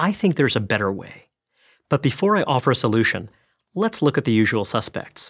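Over a quiet background, a man speaks with a New York accent and lively intonation. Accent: New York American English. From New York City. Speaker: policy commentator. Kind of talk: scripted narration. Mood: earnest, persuasive. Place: studio. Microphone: lapel.

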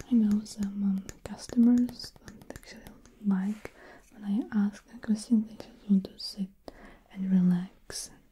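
A woman speaks softly. Her intonation is monotone and flat. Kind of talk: soft-spoken roleplay chat. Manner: soft-spoken, hushed ASMR voice. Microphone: studio mic.

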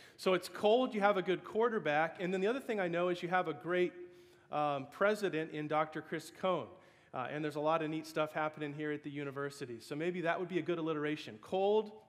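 This man's pitch is fairly high, with ordinary variation. He talks at a fairly quick pace. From US West Coast. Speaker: pastor. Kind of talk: sermon. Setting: stage with audience. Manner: animated. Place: hall.

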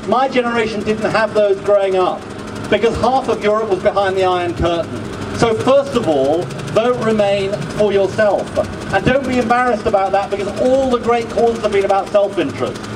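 The speech comes at a fairly quick pace with ordinary pitch variation and very even loudness. Noticeable noise sits in the background. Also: man. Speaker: politician addressing a rally. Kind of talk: rally speech. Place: street.

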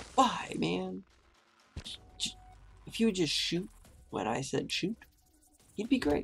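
A man speaks at a fairly slow pace with long, frequent pauses, faint music playing in the background. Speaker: gaming youtuber; gaming video creator. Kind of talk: gameplay commentary; casual gameplay commentary. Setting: home recording room at night. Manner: soft-spoken; casual. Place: home room. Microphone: studio mic.

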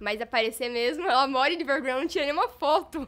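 A woman's high-pitched voice at a very fast pace, with ordinary pitch variation. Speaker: digital influencer and student; digital influencer. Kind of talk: casual chat. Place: studio. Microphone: studio mic.

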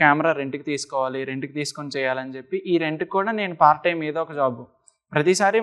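He has a normal speaking voice. This man's pitch is fairly high, with ordinary variation. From Andhra Pradesh, East Godavari (Anaparthi). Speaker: short film director and YouTuber. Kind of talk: motivational talk.

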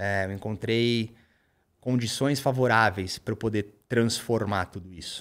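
A man talks fairly slowly with fairly even intonation, the background quiet. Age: 40s. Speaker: author speaking about addiction recovery; podcast guest. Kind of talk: casual interview chat. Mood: calm, reflective. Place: studio. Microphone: studio mic.

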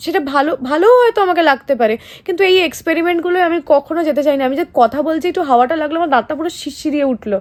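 Her intonation lively, a woman speaks in a high pitch. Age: 20s. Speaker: vlogger and actress. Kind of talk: casual vlog.

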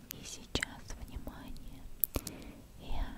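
Loud background noise surrounds a soft-spoken woman. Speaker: perfume reviewer. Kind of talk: soft-spoken ASMR perfume review chat. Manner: soft close-mic ASMR speech. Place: home room. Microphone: studio mic.

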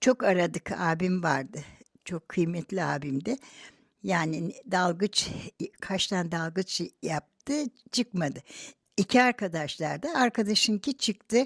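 A woman at medium pitch speaks at a very slow pace, with long, frequent pauses and lively intonation. The recording is very clean, dry and close, with a silent background and no echo. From Istanbul, Turkey. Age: 80s+. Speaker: religious community member. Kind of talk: interview reminiscence.

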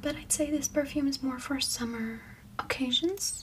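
Soft-spoken and gentle in tone, a woman talks at a moderate pace over light background noise. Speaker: ASMR creator. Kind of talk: ASMR perfume shop roleplay, personal attention. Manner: soft-spoken, gentle. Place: home room.

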